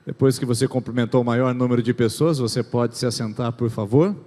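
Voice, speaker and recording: A man's voice: mid-range voice, steady tone, fairly quick. Brief: Brazilian male pastor, friendly welcome and announcements, reverberant church hall. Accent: Brazilian Portuguese. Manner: warm welcoming address to the congregation and online viewers. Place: church sanctuary.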